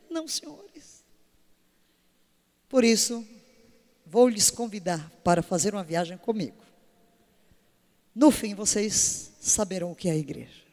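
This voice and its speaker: A woman's voice: on the high side, darkish tone, long reverb tail. A woman preaching a sermon to her congregation in an emphatic way, full of rhetorical questions. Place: church service.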